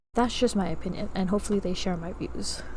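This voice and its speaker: With audible room echo, the voice carries a dark, mellow tone and vocal fry, moving at a moderate pace in a monotone, flat intonation. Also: woman. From Trinidad. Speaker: live streamer. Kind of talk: casual chat. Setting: live stream.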